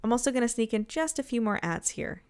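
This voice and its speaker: A woman's voice: fairly high pitch, lively intonation, quick pace, noisy background. A woman giving an informal promotional announcement for a podcast. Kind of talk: casual podcast promo read.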